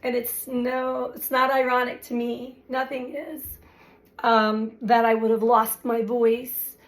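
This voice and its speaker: Slow, halting woman with a recovering voice. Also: fairly high pitch, little pitch movement, low-quality recording. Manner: slow, halting, reflective, many fillers. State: recovering from voice loss. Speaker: spiritual astrology channel host. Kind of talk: unscripted spiritual talk to camera.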